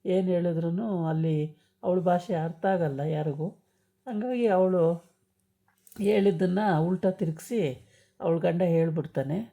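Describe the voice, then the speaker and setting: A woman's voice: on the low side, a little slow, pauses often, mellow. A woman chattily retelling a TV serial episode, with many hesitation sounds. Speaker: storyteller recapping a TV serial. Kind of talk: casual story retelling. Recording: dull lo-fi recording.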